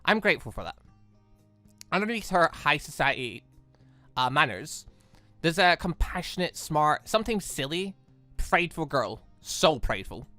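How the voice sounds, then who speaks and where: A gaming host with a bright, forward voice in a dry, close-sounding recording. The delivery is chatty and animated, moving between casual commentary and reading game text, sometimes breaking off mid-thought. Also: mid-range voice, moderate pace, pauses often, no room sound, faint music behind.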